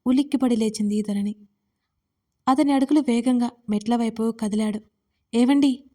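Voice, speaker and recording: A woman narrating a romance story in a calm, steady reading voice. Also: on the high side, normal speed.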